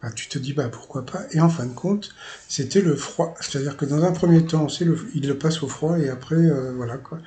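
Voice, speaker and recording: This host from Paris has a fairly high, dark-toned voice and talks a little fast. On his channel he gives a casual, chatty recap of a TV quiz show, wandering through filler words and amused side comments.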